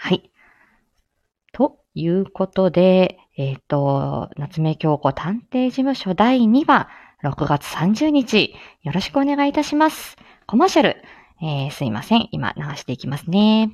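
A woman's voice: on the low side, very animated, unhurried, darkish tone. A woman voice actress chatting casually about her drama, with lots of fillers and frequent laughs. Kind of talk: casual livestream chat. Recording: slightly dull audio with faint music.

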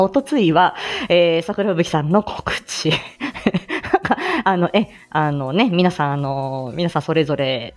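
A woman hosts a relaxed live stream. She talks casually, laughs often, and fills gaps with many fillers. Her pitch swings in a lively way, and faint music sits underneath. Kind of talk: casual chat.

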